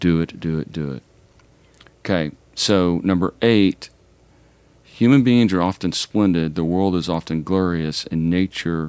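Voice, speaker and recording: Here a man speaks at a very deep, low pitch. His pace is fairly slow. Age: 40s. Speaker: podcast host. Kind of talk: solo podcast monologue. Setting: studio. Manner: unscripted free flow.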